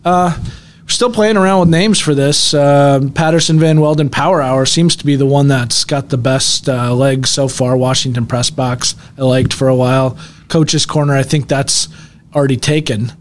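A man's voice: medium pitch, steady tone, moderate pace. Male local radio host, casual and self-deprecating, slight background hiss. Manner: self-deprecating, laughs often, stumbles over names.

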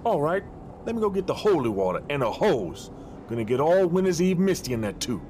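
An actor playing a gruff, pious deputy marshal in an audio drama, talking in a dry, folksy, deliberate storyteller's way. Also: male voice, fairly high pitch, sing-song, a little mellow, a little hiss or hum. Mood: earnest, wry.

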